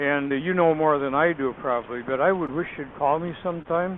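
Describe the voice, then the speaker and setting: Noticeable noise fills the background. The delivery is fairly quick, and the intonation is fairly even. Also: man. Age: 80s+. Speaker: caller, business owner. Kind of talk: phone-in question. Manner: halting, repetitive.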